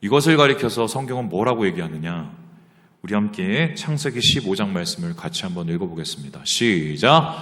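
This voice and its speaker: A low-pitched, sing-song, brisk male pastor preaches a Sunday sermon in a church sanctuary, its long reverb trailing his words. He tells stories with animation and swings between quiet, hushed moments and loud passages.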